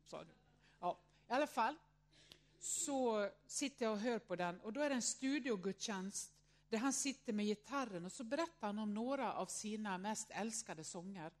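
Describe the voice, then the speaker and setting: A woman's voice: medium pitch, animated. A woman around sixty tells a personal story to an audience, earnest and reflective, often filling her speech with little hesitation words. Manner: acts out quoted voices in her story.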